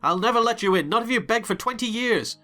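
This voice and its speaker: A man reading a novel aloud as a dramatized audiobook, theatrical and quick to rise into excited shouts. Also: very high voice, faint music behind. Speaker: narrator.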